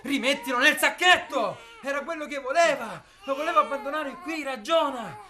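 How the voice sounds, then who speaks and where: An actor playing a tense local fixer from Salento, speaking with a Salento accent and breaking into shouts. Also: male voice, extremely high pitch, brisk. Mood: tense urging. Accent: Salento Italian. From Salento, southern Italy. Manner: tense, edgy, shouting in bursts. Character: desperate rough man, hardened local fixer. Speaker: local safari organizer. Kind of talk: short film acting. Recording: noisy location recording.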